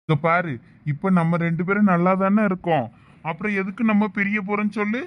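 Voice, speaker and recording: A man's voice: sits high, fairly even intonation, close to an everyday voice. A young man acting a husband in a village comedy skit, soothing and pleading, on a slightly muffled recording. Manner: pleading, soothing, fast talk.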